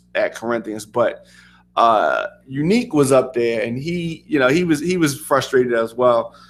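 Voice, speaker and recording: With a fairly high pitch and an American accent, a man uses an unremarkable speaking voice at a moderate pace on a very clean recording with a silent background. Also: ordinary pitch variation. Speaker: guest, sports fan. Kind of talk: casual sports talk.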